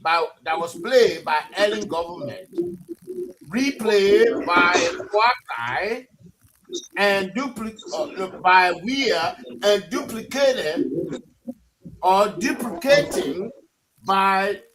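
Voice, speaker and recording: This Liberian man from Maryland County speaks with a Liberian English accent, his voice sitting high with lively intonation but a very slow delivery. He's a guest in a heated live radio debate in a studio, insisting and repeating words to keep the floor over a noisy background.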